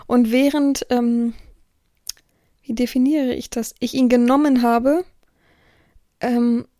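A woman's voice: on the high side, fairly even intonation, takes it slowly, mellow, no room sound, studio quality. A woman hosting a podcast as a dominatrix, talking in a rambling, self-correcting monologue. She acts out what people said and sometimes drops to a whisper. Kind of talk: casual spoken monologue. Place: indoor room with an air filter running. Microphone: close studio-style mic, audio only.

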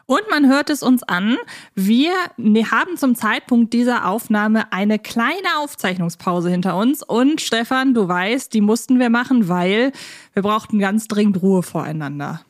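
A woman's voice: fairly high pitch, expressive, unhurried, no echo, studio quality. A talkative woman co-hosting a podcast in a casual, teasing chat style. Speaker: podcast co-host.

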